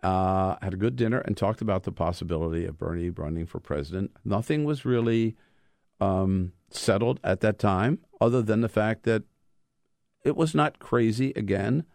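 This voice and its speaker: Guy with a lowish voice reading his book out loud, telling it like a story, stresses key words, really dry sound. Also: normal speed, creaky, dry recording.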